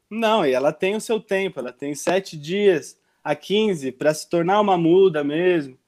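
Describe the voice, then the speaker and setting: Very clean, with a silent background, the recording is dry and close with no echo. A man with high pitch speaks at a moderate pace with ordinary pitch variation. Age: 20s. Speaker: composting entrepreneur. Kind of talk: casual interview.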